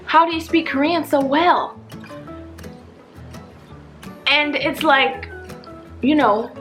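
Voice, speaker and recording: A woman vlogger who is a native English speaker, telling stories casually in an animated, slangy way and acting out dialogue. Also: high-pitched. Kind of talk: casual chat to camera, storytelling.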